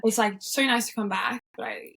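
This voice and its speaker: A woman's voice: a little high, moderate pace, vocal fry, fairly bright tone. A young woman from Norway, cheerful and upbeat, chatting casually as an interview guest, with frequent yeahs and ums.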